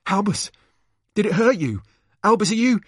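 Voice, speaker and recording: A man's voice: sits high, expressive, moderate pace, slightly rough, no room sound, clean studio sound, voice pushed up. A man voicing a worried teenage boy in a story, speaking with nervous urgency.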